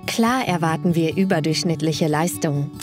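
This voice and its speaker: A woman's voice: deep voice, normal speed. Woman narrating over guitar music. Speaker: foundation narrator. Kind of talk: scripted promotional narration. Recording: music bed underneath.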